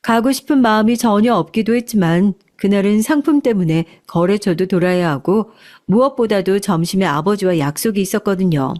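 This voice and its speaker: A woman narrating a first-person story in a calm, measured way. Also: medium pitch.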